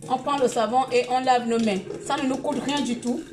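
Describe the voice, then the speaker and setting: A woman from Gabon talks straight into her phone during a live stream. She rambles and repeats herself, lecturing her viewers and then drifting into casual chat. Her voice sits a little high. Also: fairly even intonation, a little fast, noisy background. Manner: talkative, scolding and repetitive, mixing sermon and chat.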